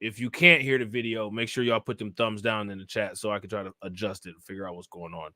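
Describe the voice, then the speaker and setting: A man's voice: fairly low pitch, fairly even intonation, fast, sharp tone, dry recording. A man reacting to news clips as a streamer, talking in loose slang and laughing often. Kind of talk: casual commentary.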